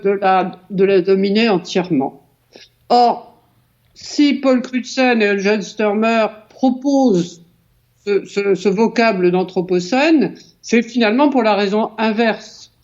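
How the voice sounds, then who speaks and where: A woman's voice: medium pitch, a little mellow. Woman philosopher explaining on a dull mic. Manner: measured explanation with small restarts. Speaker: philosopher guest. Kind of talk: answering in a panel debate. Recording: slightly dull lo-fi sound.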